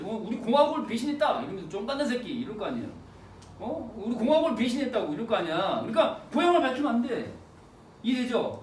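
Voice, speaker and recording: A Korean literature teacher giving an exam prep lecture, colloquial, repeating phrases and quizzing the students. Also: medium pitch. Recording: roomy, distant mic, faint noise.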